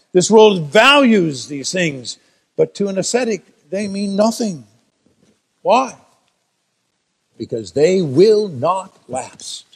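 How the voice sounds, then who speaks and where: An American man preaching a sermon as pastor, telling stories with playful asides. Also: high voice. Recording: long reverb in a large room.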